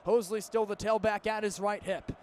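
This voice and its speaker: A young American man in his early twenties doing energetic, vivid live play-by-play of football on the radio. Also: high-pitched, normal speed, slight background noise. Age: early 20s. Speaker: play-by-play announcer.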